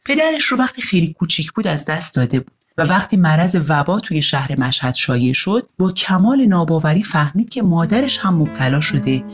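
A woman narrating a children's story in an expressive, animated way. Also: fairly low pitch, few pauses, breathy edge, soft background music.

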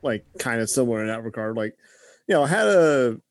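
A man's voice: mid-range voice, lively intonation, a little fast. A man in casual chat with a co-host, talking hesitantly with many "like"s and "you know"s.

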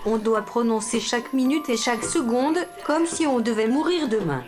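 A woman's voice: on the high side, animated, moderate pace, darkish tone, soft background music. A synthetic female voice playing a nostalgic, earnest talking-clock announcer in a scripted comic dialogue. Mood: nostalgic, proud. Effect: text-to-speech voice.

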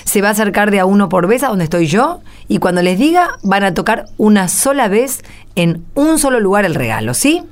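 An actress with an Argentine accent playing a playful, firm, kindly nun in a radio drama. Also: female voice, mid-range voice, big pitch swings, a little fast, lightly acted. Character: playful, brisk religious sister, kindly and firm. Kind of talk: radio drama acting and narration.

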